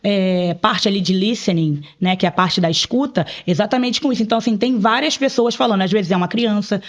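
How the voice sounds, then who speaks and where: A woman's voice: medium pitch, brisk. A woman in a casual podcast chat who tells stories animatedly and acts out the dialogue she quotes. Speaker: bilingual program advisor. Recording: dull lo-fi sound.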